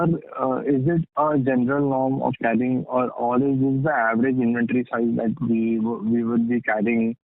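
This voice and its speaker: A polite man with an Indian accent asking halting analyst questions on an earnings call. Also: medium pitch, no echo. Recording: dry narrow phone line.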